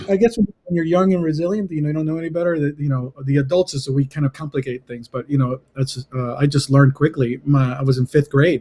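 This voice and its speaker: A man with a Spanish accent and a dark, mellow, somewhat breathy tone rushes along at a very fast pace with hardly any pauses, the sound dry and close with no echo. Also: fairly high pitch for a man, ordinary pitch variation. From Puerto Rico, then Northern Virginia from age 11. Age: 50s. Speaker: creative entrepreneur. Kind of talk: casual interview. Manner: halting, many restarts.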